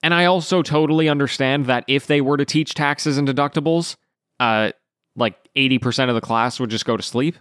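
A man's voice: mid-range voice, dry recording. Ranting man, dry close sound. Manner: animated ranting with quick apologetic asides; acts out quoted exchanges in a raised voice. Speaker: gaming podcast host. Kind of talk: casual after-show monologue.

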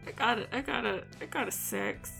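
A woman's voice: fairly high pitch, fairly quick, gravelly, pushed and bright, faint music behind. A woman chatting informally and playfully as a player in a tabletop game. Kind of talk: casual chat at a game table.

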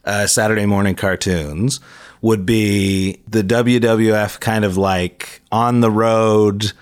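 Rambling, lowish-voiced man from Calgary. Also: steady tone, slow. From Calgary, Alberta, Canada. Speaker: podcast guest. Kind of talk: casual chat.

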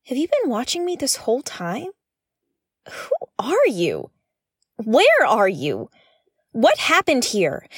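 A woman's voice: a little high, slightly rough, dry recording, studio quality, exaggerated voice. A woman playing a blunt, suspicious space explorer in a science-fiction audio drama, with an exasperated, sarcastic and emphatic delivery. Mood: bewildered, alarmed.

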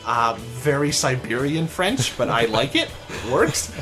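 A man co-hosting a podcast, his pitch swinging widely as he rambles through hesitant, laugh-filled chat. Soft music sits faintly behind him. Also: big pitch swings, a little slow. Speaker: podcast co-host. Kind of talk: casual chat.

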